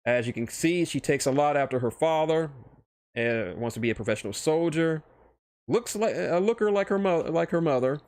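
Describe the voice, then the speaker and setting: A man streaming casual commentary on his own fictional characters, halting and often restarting his phrases as he explains. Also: fairly high pitch, lively intonation, darkish tone.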